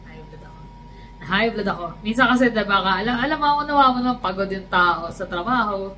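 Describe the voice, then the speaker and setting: Animated Filipina woman telling a story. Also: medium pitch, fast talker, a little hiss or hum, rough recording. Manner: animated storytelling, switching into English quotes. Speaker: vlogger. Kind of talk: casual chat.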